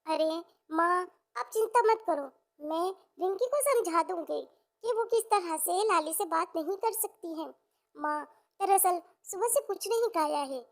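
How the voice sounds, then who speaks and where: A woman's voice: extremely high pitch, voice pushed up, full character voice. A woman voicing a worried, conciliatory young daughter in a children's story, pleading and placating. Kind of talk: children's moral story character acting.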